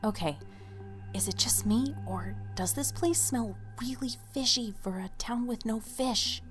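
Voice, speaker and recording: A woman's voice: on the high side, measured pace, over music, natural voice. A young woman playing a suspicious, plain-spoken twenty-something in an audio drama, casual and wry. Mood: wary, casual.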